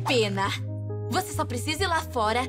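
A woman voicing a sweet but foul-mouthed young imp wife in a cartoon fan dub, affectionate with rough slangy talk. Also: high voice, animated, quick pace. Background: music.

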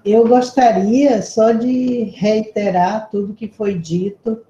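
A woman organizer giving slow, hesitant, complimentary closing remarks at an online lecture over a video call. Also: on the high side, steady tone, dark tone, roomy sound, dull audio, slight background noise. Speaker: event organizer.

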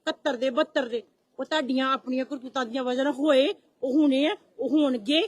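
A woman with a high, quick voice talks in a rambling, insistent way and keeps throwing questions back. The sound is dry and close. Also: steady tone, no echo. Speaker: visitor. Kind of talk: rambling spiritual talk.

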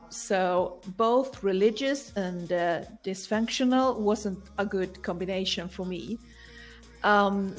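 A middle-aged woman from Sweden with a Swedish accent, telling her story conversationally as an interview guest on a video call. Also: medium pitch. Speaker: guest, coach. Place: home room indoors.

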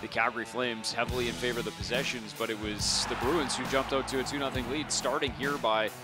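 A man in his thirties hosting a post-game hockey show from a TV studio with a handheld mic. He talks fluently with frequent "uh" fillers as he walks through highlights. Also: steady tone, fast talker, over loud music. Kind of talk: sports post-game analysis. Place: TV studio desk.

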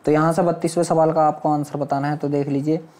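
Mellow-voiced man teaching. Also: a little high, flat delivery, quick pace. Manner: didactic, asks and answers own questions. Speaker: exam coaching teacher. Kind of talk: explanatory test-prep lesson, question by question. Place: voice-over on a screen recording.

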